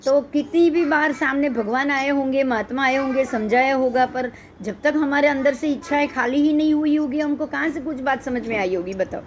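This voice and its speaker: A middle-aged woman teaching a scripture lesson, explaining slowly and often quizzing her listeners. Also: high voice, noisy background. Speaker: religious teacher.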